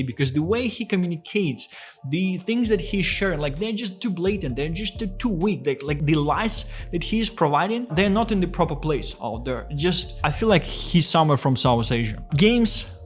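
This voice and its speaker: Blunt, profane man with light music. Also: fairly high pitch. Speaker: crypto commentator. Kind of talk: casual commentary video.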